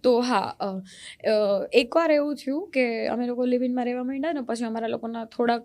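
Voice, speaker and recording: A woman's voice: on the high side, fairly quick. A young woman from Gujarat with a Gujarati accent, an actress earnestly recounting a painful past relationship as a podcast guest. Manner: earnest, animated when recounting anger. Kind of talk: emotional personal storytelling.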